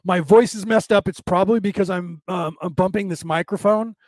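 Man, middle-aged, rough odd-sounding voice, rambling livestream host, slightly high, dry sound. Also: fairly even intonation, fairly quick, dry recording. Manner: rambling, many restarts and fillers. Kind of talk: casual spiritual talk to a live audience.

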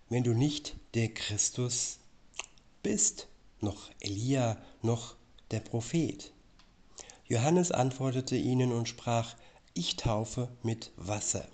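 A man reading Bible verses aloud and explaining them in a slow, deliberate preaching style. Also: medium pitch, darkish tone. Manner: slow, measured, deliberate delivery.

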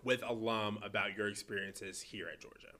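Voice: deep voice, fairly even intonation, moderate pace, bright, forceful tone. A co-host in their twenties steering a casual podcast chat with dry, teasing remarks and questions. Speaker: podcast co-host, law student.

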